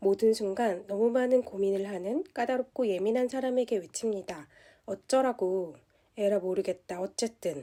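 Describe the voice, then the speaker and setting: With a dark, mellow tone, a woman speaks at a fairly high pitch and a moderate pace, with ordinary pitch variation. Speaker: podcast host. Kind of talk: podcast intro.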